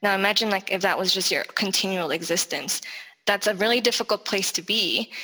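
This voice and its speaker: A woman with a Chicago accent talks with fairly even intonation. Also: medium pitch for a woman, fairly quick pace. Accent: Chicago American English. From Chicago, US (Ecuadorian family). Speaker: public health nurse and ministry leader. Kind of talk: presentation.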